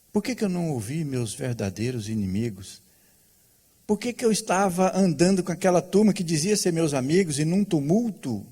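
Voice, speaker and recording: A man voicing a desperate male prisoner awaiting execution, asking himself anguished questions in a husky voice. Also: a little high, warm tone, full character voice.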